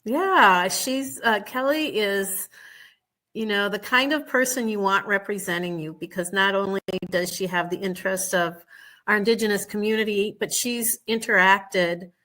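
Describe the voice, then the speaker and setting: A woman state senator talking casually on a radio show, steady and thoughtful with frequent fillers. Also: mid-range voice. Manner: warm, measured, many fillers.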